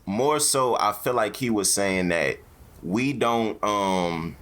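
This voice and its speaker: Deep-voiced African American man talking casually. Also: takes it slowly, fairly bright tone. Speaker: podcast host. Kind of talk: casual opinionated talk, slang and profanity.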